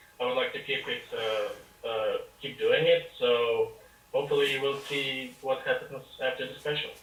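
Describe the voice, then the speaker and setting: A man talks at a moderate speed while noticeable noise sounds behind him. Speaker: fan film director, student. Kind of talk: casual interview. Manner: halting, many fillers.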